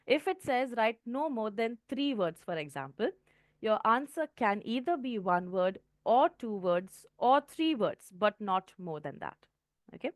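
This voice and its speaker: A woman with a medium-pitched voice and an Indian English accent works as an IELTS trainer, giving a clear test-prep lesson punctuated by frequent "okay" checks. Her recording is dry and studio-clean.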